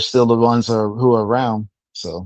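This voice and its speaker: Medium-pitched male speech at a moderate pace, with an American accent. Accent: slight Southern accent, comes out sometimes. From US South. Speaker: wrestling commentator and manager. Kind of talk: podcast interview.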